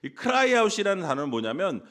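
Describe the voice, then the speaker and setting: A male pastor preaching with a fairly high, very animated voice that climbs and falls through rhetorical questions. He teases a drowsy congregation and lets out sudden loud shouts for emphasis. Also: a little slow, slight background noise. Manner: jokes with a sleepy congregation. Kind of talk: sermon.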